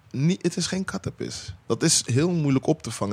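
Speaking at a fairly quick pace, a man with a normal speaking voice shows ordinary pitch variation. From Netherlands, Rotterdam. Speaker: former footballer and performance coach. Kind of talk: casual chat.

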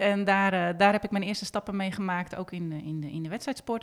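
The recording is very clean, with a silent background. In it, a woman talks at a moderate pace. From Netherlands, North Holland (Den Helder region). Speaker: entrepreneur in the equestrian sector. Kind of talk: interview. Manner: hesitant with many fillers.

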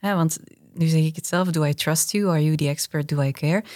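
A woman's very deep, low voice, animated in tone and at a fairly quick pace, in a very clean, dry, close recording with a silent background and no echo. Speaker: speaker coach. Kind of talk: casual chat. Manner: animated, talks with her hands.

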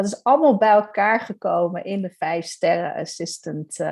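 In a plain, everyday voice, a woman speaks at a medium pitch with ordinary pitch variation and a fairly slow pace against a quiet background. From Netherlands. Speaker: coach for office assistants. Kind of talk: interview.

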